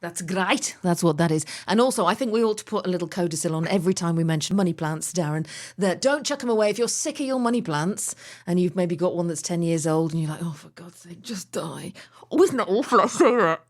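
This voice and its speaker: A woman's voice: fairly low pitch, expressive, a little fast. An English woman hosting a gardening podcast, chatty and enthusiastic, often breaking into giggles. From England. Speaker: podcast host.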